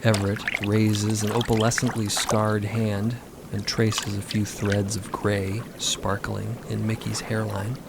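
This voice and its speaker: A man narrating a scripted audio drama in a soft, wry storytelling manner. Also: lowish voice, monotone, measured pace, gravelly, heavy background noise.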